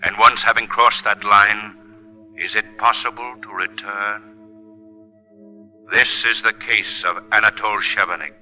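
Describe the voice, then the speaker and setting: An actor playing an ominous, mocking mystery narrator in a 1940s radio drama, with slow, portentous, theatrical phrasing. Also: male voice, fairly low pitch, fairly even intonation, sharp tone. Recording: dull old radio, organ music behind.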